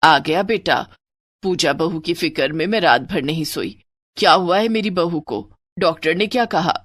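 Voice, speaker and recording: A stern, nagging mother-in-law, put on by a woman narrator for an animated story. The voice sits a little lower and scolds with a lively, rising and falling pitch. The recording is dry and close. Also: normal speed, dry recording. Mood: worried.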